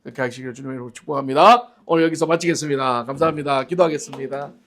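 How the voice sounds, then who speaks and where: A male pastor leads a Bible study. He tells stories expressively, swinging between loud exclamations and near-whispers. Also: mid-range voice, rapid-fire. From Gyeongsang region, Korea. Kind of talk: animated Bible-study teaching and prayer. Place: church library.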